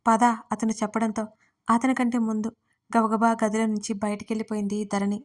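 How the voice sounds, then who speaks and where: A woman's voice: fairly high pitch, level tone, brisk, a little mellow. A woman narrating a romance audio story, recorded at home in an apartment. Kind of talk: scripted narration.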